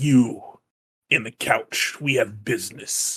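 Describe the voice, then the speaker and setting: A man speaks in a raspy, put-on character voice with a fairly high pitch. His pace is fairly slow, with ordinary pitch variation. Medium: actual play. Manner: insistent.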